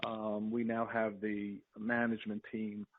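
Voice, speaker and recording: Male company executive, low and even delivery, halting, repeats words, conference-call phone audio. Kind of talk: answering questions on an earnings conference call. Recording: tinny narrow phone line.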